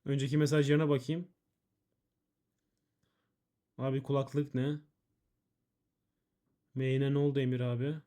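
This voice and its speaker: A man's voice: mid-range voice, flat delivery, normal speed, dark tone. A man streaming, reading out viewers' ban appeals and answering them in blunt, profane casual chat. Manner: blunt and swearing, reading chat messages aloud.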